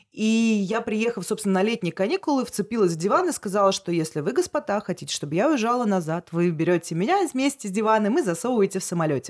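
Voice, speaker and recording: Talking at a very fast pace, a woman uses a fairly high pitch with very wide swings. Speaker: photographer. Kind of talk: casual chat.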